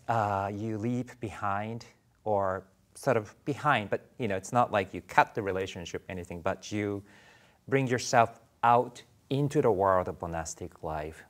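A man in his forties from Japan with a Japanese accent, answering interview questions thoughtfully in a studio, with many fillers and restarts. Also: deep voice. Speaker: Buddhist priest guest.

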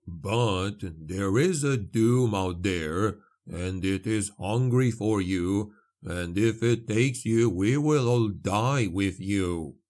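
Man playing a solemn dwarf priest, very slow. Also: on the low side, a little mellow. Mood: solemn, cryptic. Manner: measured, portentous pronouncements.

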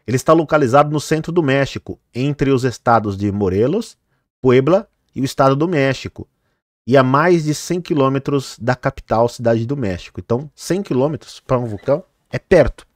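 A man's voice: mid-range voice, normal speed, no room sound, studio quality. Chatty man commenting over news footage. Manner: chatty, fillers like "né" and "olha, gente"; trips over hard names. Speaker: vlogger.

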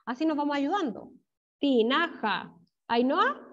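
A woman with a Chilean accent teaching an online class to young children, encouraging and praising pupils by name, drawing words out slowly syllable by syllable. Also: high voice, lively intonation, a bit bright. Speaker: primary school teacher. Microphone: video call. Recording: dull lo-fi video call audio.

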